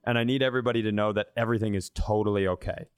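A man's voice: on the low side, steady tone, rapid-fire, clean tone, no echo. Irreverent man telling comic stories, dry close sound. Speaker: comedy podcast co-host. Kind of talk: casual comedic storytelling.

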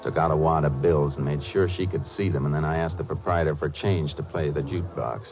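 A stern, shrewd lawman in an American radio western of the 1950s. His voice sits very low and stays dry and unruffled. The old recording sounds dull. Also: steady tone, brisk, over music. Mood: measured narrating. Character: stern, shrewd Texas Ranger, calm and dogged. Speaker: lead investigator and narrator. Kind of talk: 1950s radio drama acting.

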